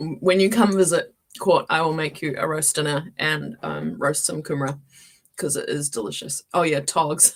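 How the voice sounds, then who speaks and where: With a New Zealand accent, a woman speaks at a moderate pace in a very deep, low pitch with ordinary pitch variation. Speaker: author and writing-stream co-host. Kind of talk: casual chat with livestream viewers.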